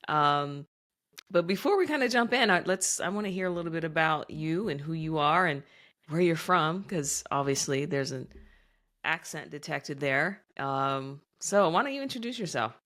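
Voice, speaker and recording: Low-voiced chatty woman podcast host. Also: lively intonation, normal speed, fairly bright tone. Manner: chatty, self-deprecating, recaps answers. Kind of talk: podcast interview, casual chat.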